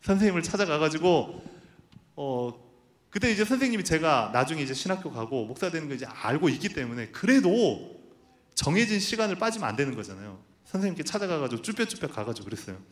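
A man preaches from the pulpit, weaving a personal story into his sermon. His pitch sits a little high and moves in lively swings. He acts out the voices of the people in his story as he talks. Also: quick pace. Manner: animated storytelling, acting out quoted voices. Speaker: pastor.

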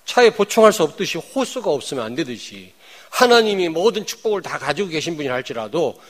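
Lively-pitched man preaching a sermon. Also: fairly quick. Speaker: pastor.

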